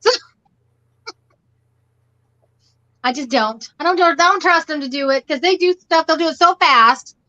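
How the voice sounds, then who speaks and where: A middle-aged woman hosts a casual livestream from her bedroom, her voice high and bright. She talks loudly and animatedly, rambling through anecdotes with quoted dialogue. The sound is dull and lo-fi. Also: measured pace, long pauses. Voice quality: loud, animated storytelling voice. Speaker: livestream host. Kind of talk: casual chat. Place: bedroom at home.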